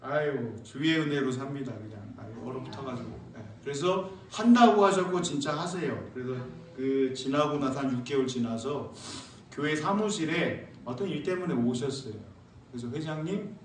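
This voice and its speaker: A male pastor preaching a sermon, telling a lively story and acting out church members. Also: medium pitch, moderate pace, a little hiss or hum. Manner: animated, acts out church members and sings hymn lines. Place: church sanctuary. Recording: echoey church hall, mic from far off.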